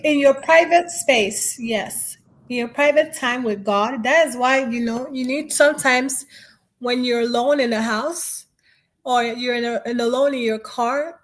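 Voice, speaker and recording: A woman hosts a live audio discussion, upbeat and brisk, encouraging the speakers. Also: fairly high pitch. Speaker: host of a live audio room. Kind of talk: hosting casual live chat.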